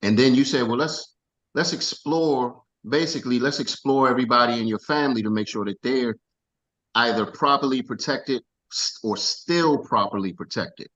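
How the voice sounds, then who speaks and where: A man coaching a team on a video call, energetic and casual, repeating himself for emphasis. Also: mid-range voice, moderate pace, muffled recording.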